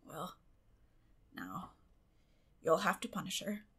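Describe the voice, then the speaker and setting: A woman voicing a shy, mild older farm man who talks quietly and hesitantly in an audiobook. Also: fairly low pitch, very animated, slow pace, breathy edge, full character voice. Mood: reluctant.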